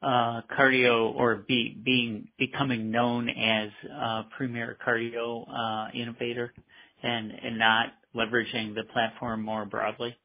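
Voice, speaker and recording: A man's voice: mid-range voice, flat delivery, a little slow. A man calling into an investor call as a financial analyst, asking questions politely and informally. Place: conference call. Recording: tinny phone line.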